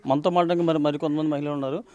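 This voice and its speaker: Male street reporter, fast and prompting, slightly high voice. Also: fairly even intonation, a little mellow, dull audio. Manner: brisk, prompting, brief hums. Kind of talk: street interview questions.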